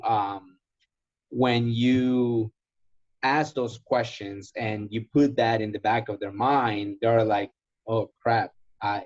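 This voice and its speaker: Low-voiced man coaching, dull lo-fi audio. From Ecuador. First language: Spanish. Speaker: sales trainer. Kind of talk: informal coaching in a question and answer session.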